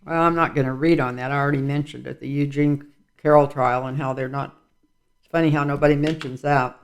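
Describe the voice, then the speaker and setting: A man's voice: on the high side, fairly even intonation, a little fast, smooth. A man reading tarot cards in a casual vlog, rambling and musing aloud as he goes. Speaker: tarot reader.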